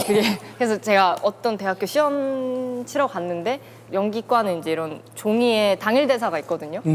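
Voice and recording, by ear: This woman's voice sits at a fairly high pitch. She talks at a moderate pace with lively intonation.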